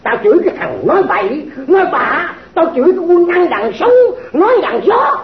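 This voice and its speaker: A bragging blind fortune-teller. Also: male voice, extremely high pitch, wildly swooping pitch, fairly quick, heavily acted. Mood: indignant. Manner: bragging, quarrelsome, wildly swooping delivery. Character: boastful blind male fortune-teller accused of theft. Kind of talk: stage comedy skit. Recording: dull, roomy old recording.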